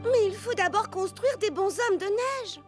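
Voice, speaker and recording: A woman voicing an earnest, playful little girl who is quick to fret, in a French cartoon dub. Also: very high voice, animated. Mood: keen. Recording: music under the voice.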